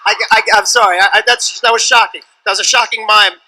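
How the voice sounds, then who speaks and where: A middle-aged man on a convention panel, telling stories in an animated way and laughing often. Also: sits high, quick pace, low-quality recording. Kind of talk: comedic panel banter.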